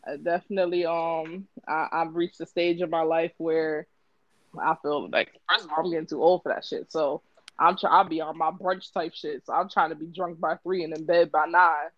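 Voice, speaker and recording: A woman's voice: low voice, steady tone, moderate pace, dry recording, lo-fi sound. A woman with an African American accent in casual, playful podcast banter, full of slang. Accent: African American English. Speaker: podcast co-host; bartender.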